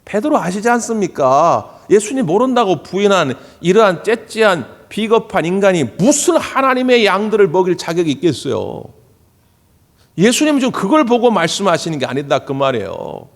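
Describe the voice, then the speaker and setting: A man preaching from the pulpit in a high, lively voice that swoops up and down as he tells stories. His words ring out with the long reverb of a large church hall, picked up through a pulpit microphone. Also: normal speed. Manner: animated storytelling, acts out quoted voices. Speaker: pastor. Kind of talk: Sunday sermon. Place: church sanctuary.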